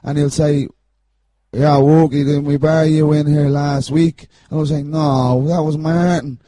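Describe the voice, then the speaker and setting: A man acting out an Irish small-time chancer with a very soft, dark tone and a slightly high voice. He rambles through a comic interview in street slang, always defensive, evasive and hard done by. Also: level tone, measured pace, dry recording, lightly acted. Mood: aggrieved. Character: shifty, petty-criminal Irish chancer, aggrieved and defensive. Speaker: comic character guest on a wrestling podcast.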